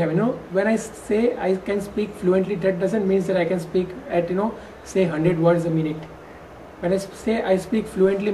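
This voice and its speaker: Woman interviewee, stammers on first syllables, hesitant, soft dark tone, mic set back from her. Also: mid-range voice. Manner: hesitant, many fillers and restarts. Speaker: stammering workshop participant. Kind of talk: interview answers. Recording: distant mic with faint background noise.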